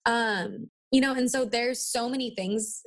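A woman's voice: a little high, a little slow. Young woman with a valley-girl delivery. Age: 20s. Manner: peppers talk with "like" and "you know". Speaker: interview guest, marketing agency owner. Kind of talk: casual podcast interview chat.

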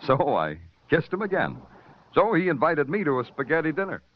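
An actor playing a hard-boiled detective who narrates in a terse, clipped, world-weary way, in 1950s radio drama acting. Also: male voice, a little high, huge pitch swings, brisk, very noisy. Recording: dull old radio recording with music.

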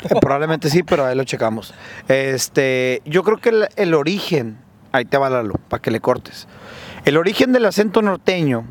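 Northern mexican dude hosting a podcast, kinda high voice, jokey and slangy. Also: male voice, very animated, moderate pace. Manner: joking, slangy, theorizing. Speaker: podcast host. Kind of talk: casual chat.

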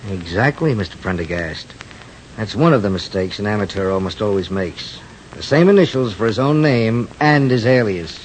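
An actor playing a calm, methodical police lieutenant in a 1940s radio drama, firm and businesslike. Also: male voice, on the low side, moderate pace, noisy background, natural voice.

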